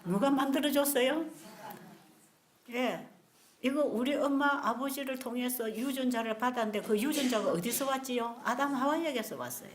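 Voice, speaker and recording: A woman's voice: sits high, normal speed. A middle-aged woman with a Gyeongsang Korean accent, preaching a sermon who asks her listeners questions and answers them herself, sometimes dropping to a near whisper. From Gyeongsang region, Korea. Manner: drops to soft, near-whispered phrases. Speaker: preacher at a medical mission seminar.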